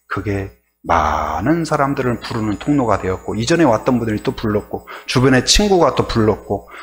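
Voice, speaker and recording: 남자 목사가 교회에서 설교하는 목소리로, 억양의 높낮이가 크게 오르내리며 생생하게 이야기를 풀어간다. 회중에게 질문을 던지며 말을 이어간다. 뒤로 옅은 웅웅거림이 깔려 있다. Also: male voice, medium pitch, a little hiss or hum. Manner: lively storytelling, asks the congregation questions. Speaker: pastor. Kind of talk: sermon. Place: church sanctuary.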